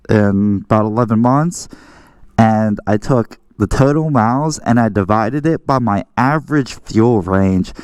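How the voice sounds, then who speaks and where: A man's voice: on the low side, a little mellow, clean tone, no echo. An American man talking casually as a motorcycle vlogger, explaining things in an informal, rambling way and often correcting himself. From southwestern Pennsylvania, US. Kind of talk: casual explanatory vlog talk.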